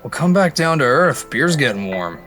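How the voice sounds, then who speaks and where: A man's voice: a little high, sing-song, normal speed, a bit bright, faint music behind. A man playing a breezy, easygoing road-trip buddy in an audio drama, playful and exuberant. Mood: easygoing, friendly. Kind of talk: animated audio drama acting.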